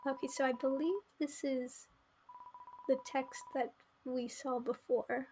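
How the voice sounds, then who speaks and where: A woman's voice: high-pitched, steady tone, slow, darkish tone, slight background noise. A woman streaming a game, reading its narration aloud and commenting as she goes, with music behind her.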